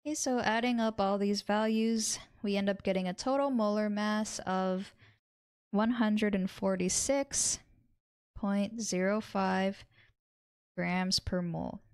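Female tutor, twenties, mid-range and crisp, measured step-by-step teaching delivery, very dry close-miked sound. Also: mid-range voice, steady tone, darkish tone, no echo. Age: 20s. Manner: measured, explains step by step while writing. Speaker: chemistry tutor. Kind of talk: instructional tutorial, working through a problem. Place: small indoor room at a desk.

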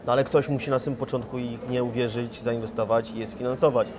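A man in his forties, a firm's chief executive, answering interview questions in a measured way, often restarting his sentences. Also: mid-range voice, level tone. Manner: measured, with frequent restarts and fillers. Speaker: investment firm chief executive. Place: conference hall in front of a sponsor wall. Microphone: lapel mic. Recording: conference crowd noise. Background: crowd chatter.

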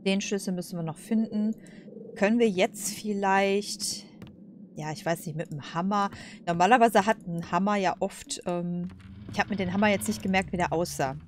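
A woman's voice: medium pitch, normal speed, a little hiss or hum. A woman doing casual let's play commentary, colloquial and hesitant as she thinks aloud.

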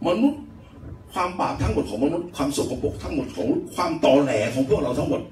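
A male pastor giving a sermon, explaining scripture point by point with animated, emphatic delivery. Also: fairly high pitch, fast talker, a little hiss or hum. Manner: animated, rising to loud emphatic bursts. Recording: roomy echo, distant mic, faint ambience.

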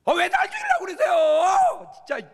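A man voicing an indignant churchgoer who shouts demands at God, shrill and protesting. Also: wildly swooping pitch, brisk, vocal fry, exaggerated voice. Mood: outraged. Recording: long church hall reverb.

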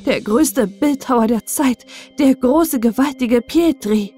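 A woman's voice: on the high side, expressive, moderate pace, mellow, soft background music, close to an everyday voice. A woman voicing a proud, passionate young male sculptor in an audiobook fairy tale, reading his lines with impassioned pleading. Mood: stunned.

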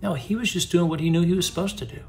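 A man's voice: high voice, racing, a little mellow, soft background music. A man in his thirties, a pastor, speaking a devotional to camera from a small home office, earnest and conversational with frequent restarts.

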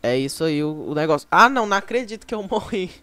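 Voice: mid-range voice, animated, fast, a bit bright, no room sound, soft background music. A Brazilian-accented YouTube gamer chatting to viewers while playing, with frequent exclamations and sudden shrieks. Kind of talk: casual gameplay commentary.

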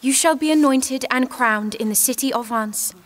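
Young devout peasant maiden played by a woman, earnest and bold, higher voice, for audio drama. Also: moderate pace, close to an everyday voice. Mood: solemn, assured.

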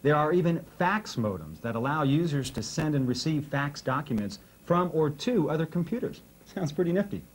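A man's voice: on the high side, animated, normal speed, slight background noise, rough recording. An American man in his thirties co-presenting a scripted training video in a playful, folksy novice manner. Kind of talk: scripted question-and-answer dialogue. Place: indoor studio set.

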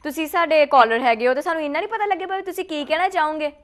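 A woman's voice: high voice, rapid-fire, a bit bright. A young woman hosting a studio call-in show, bubbly and teasing, often tagging her lines with "right?". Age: young adult. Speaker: TV show host. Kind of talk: casual chat.

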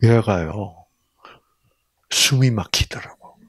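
A man's voice: lowish voice, takes it slowly, slightly rough. A man giving a Bible lecture in storytelling style, asking the audience questions and acting out the people in his story. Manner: animated, acts out voices in dialogue.

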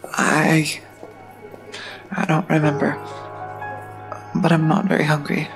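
Weary teenage kid played by an actor, audio drama, hesitant, monotone, gravelly fry. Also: mid-range voice, music in the background. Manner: hesitant, halting. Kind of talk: audio drama narration and dialogue.

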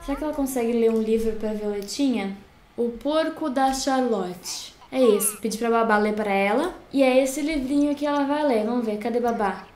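A woman's voice: a little high, normal speed, a little mellow, slight background noise. Brazilian girl chatting thru her game, bubbly, talks to chat, roomy echo. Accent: Brazilian Portuguese. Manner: chatty, gushing, talks to viewers. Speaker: gaming YouTuber. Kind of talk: casual let's-play commentary.

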